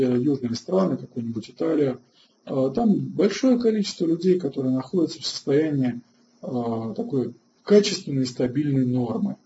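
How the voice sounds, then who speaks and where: A man hosting an online webinar lecture, halting with filler sounds and restarts, and answering chat questions between points. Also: medium pitch, mellow, dull audio, slight background noise. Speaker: webinar host.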